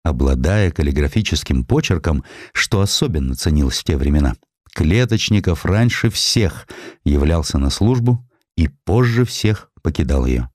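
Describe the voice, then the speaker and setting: Deep, expressive male storyteller. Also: normal speed, no room sound, clean studio sound. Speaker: narrator. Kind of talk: dramatised historical narration.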